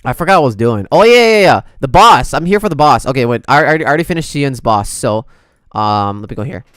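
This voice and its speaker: A man's voice: medium pitch, lively intonation, fast talker, fairly bright tone, no echo, clean studio sound. A man livestreaming a video game in casual, slangy, chummy chat with his viewers. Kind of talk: casual gameplay stream chat. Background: game music.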